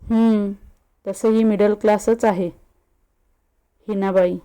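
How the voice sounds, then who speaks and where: A woman's voice: medium pitch, steady tone, slow pace, warm tone, clean tone, close to an everyday voice. A woman voicing a haughty, tipsy young woman with a sneering, snappish way of talking. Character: haughty drunk young woman, snobbish and quick-tempered.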